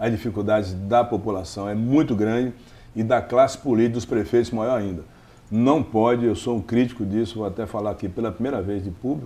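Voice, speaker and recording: A man speaks at a fairly quick pace in a dark, mellow tone, with fairly even intonation. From Bahia, Brazil (semi-arid interior). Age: 60s. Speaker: politician and physician. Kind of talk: interview. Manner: halting.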